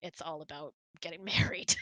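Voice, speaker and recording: Bright-voiced woman chatting, giggly and rambling. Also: low voice, steady tone, moderate pace, no echo, rough recording. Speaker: host of an online hangout. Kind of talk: casual chat, storytelling and answering questions.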